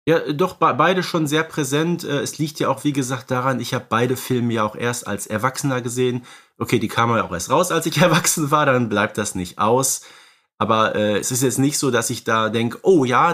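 A man's voice: medium pitch, a bit bright. A middle-aged man co-hosting a casual podcast, easygoing and a little hesitant as he qualifies what he says. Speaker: podcast co-host. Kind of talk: casual conversational podcast chat.

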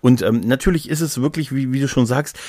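A man's voice: medium pitch, a little fast, dark tone, dry recording, studio quality. A man chatting casually as a podcast host about audio dramas, enthusiastic and rambling, often correcting himself.

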